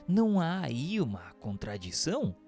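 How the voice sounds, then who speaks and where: A man's voice: on the high side, huge pitch swings, unhurried, darkish tone. A man giving a formal, declamatory scripted reading as narrator and questioner in a radio drama. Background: faint music.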